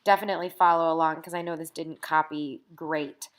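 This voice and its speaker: A woman's voice: low-pitched, steady tone, a little fast. Congested woman teaching a math lesson. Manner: patient, explanatory, frequent "okay?" check-ins. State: congested, sniffly. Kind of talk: recorded math lesson over scanned notes.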